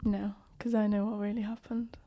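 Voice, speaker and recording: A woman's voice: mid-range voice, flat delivery, normal speed, lo-fi sound. A woman in her twenties, chatting casually with her fiancé. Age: 20s. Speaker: host's fiancée. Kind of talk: casual Q&A chat.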